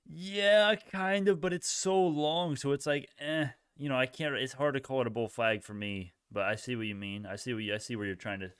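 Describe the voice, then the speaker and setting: A man's voice: medium pitch, steady tone, a little fast, hardly any pauses, fairly bright tone, clean tone, dry recording, clean studio sound. A young man hosting a casual live stock-trading stream, reacting to chat in informal bro slang and often repeating himself as he thinks aloud. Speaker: livestream host, retail stock trader.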